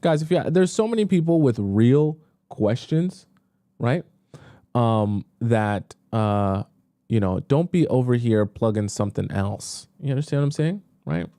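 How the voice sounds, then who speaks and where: A man's voice: medium pitch, animated, unhurried, dark tone, dry recording, clean studio sound. A young man coaching on dating during a live stream, talking casually with lots of fillers and reacting in disbelief to viewer messages. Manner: casual, chatty, frequent fillers, reacts with disbelief while reading. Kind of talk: live-stream advice, reading viewer questions aloud.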